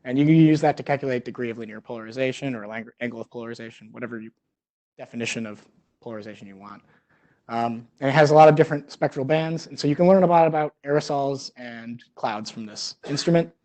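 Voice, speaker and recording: A man's voice: mid-range voice, fast talker, a little mellow. A young man presenting a science seminar as a researcher, explaining technical material in an informal, slightly hesitant way.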